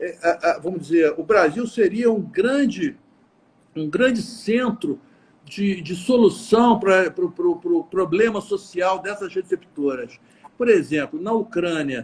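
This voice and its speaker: Very slowly, a man speaks in a high voice with lively intonation. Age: 60s. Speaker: fertility doctor. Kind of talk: live stream interview. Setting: online live stream. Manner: halting, frequent repetitions.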